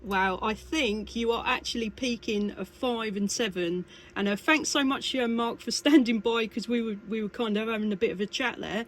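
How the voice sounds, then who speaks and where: Chatty, high-voiced woman on CB radio. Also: normal speed, hardly any pauses. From United Kingdom. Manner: exclamatory, chatty. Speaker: amateur CB radio operator. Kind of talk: two-way radio chat. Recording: radio contact with faint static.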